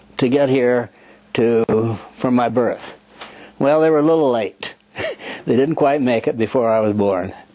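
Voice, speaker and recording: This man has an American accent and a medium pitch, with ordinary pitch variation. He talks at a moderate pace over noticeable background noise. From US Midwest, central Illinois (Morton). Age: 80s+. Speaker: retired highway engineer and farmer's son. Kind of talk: oral history interview.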